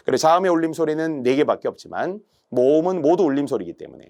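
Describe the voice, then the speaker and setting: Animated man giving an exam-prep lecture. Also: a little high. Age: middle-aged. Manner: lively, emphatic lecturing with drawn-out examples. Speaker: Korean language instructor.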